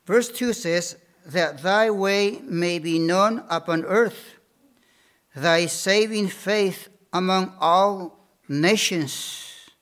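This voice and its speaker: Slow, high-voiced preacher. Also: male voice, fairly bright tone. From Bolivia. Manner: slow, emphatic preaching with repeated phrases. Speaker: missionary preacher. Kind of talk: sermon.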